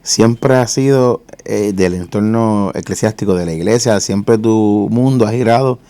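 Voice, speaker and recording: A man hosting a Christian interview show, with fervent greetings and measured questions. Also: on the low side, warm tone, dry recording. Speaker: host of a Christian TV and radio show. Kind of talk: faith interview.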